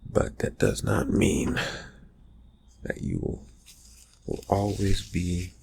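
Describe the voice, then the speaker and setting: A man playing a brooding, distracted vampire friend in an ASMR roleplay, murmuring in halting, husky phrases that trail off. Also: flat delivery, a little mellow, slight background noise, heavily acted. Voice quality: breathy, husky, gravelly low murmur. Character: brooding, distracted young male vampire friend, slyly teasing. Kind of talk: ASMR roleplay, improvised soft talk to the listener.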